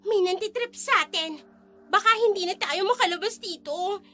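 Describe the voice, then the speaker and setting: Brief: woman playing the group's most cowardly schoolgirl, very high, bright and whiny, horror storybook. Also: normal speed, soft background music. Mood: scared. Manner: whiny, fearful. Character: timid, easily scared teenage schoolgirl.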